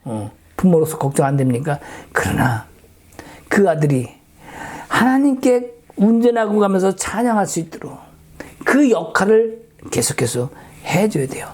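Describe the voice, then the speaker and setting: A man's voice: high voice, big pitch swings, normal speed, darkish tone. A middle-aged man, a pastor, preaching a sermon in a conversational way and asking his listeners rhetorical questions. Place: church in the Silicon Valley area.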